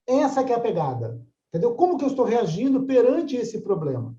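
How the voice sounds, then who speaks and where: A man's voice: very high voice, very animated, fairly quick, dark tone, roomy sound, highs cut off. An older man mediating a religious study class, talking conversationally and often asking "right?" of his listeners. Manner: conversational, frequent tag questions. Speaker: course mediator.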